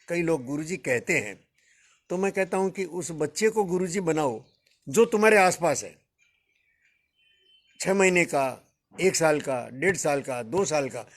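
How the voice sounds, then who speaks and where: A man in his seventies, a spiritual teacher giving an unhurried, reflective discourse to his listeners, addressing them as friends and chuckling now and then. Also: high voice. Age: 70s.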